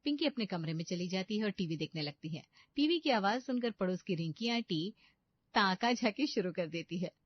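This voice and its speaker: A woman's voice: medium pitch, animated, moderate pace. Woman narrating a cartoon story. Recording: dull lo-fi dry recording.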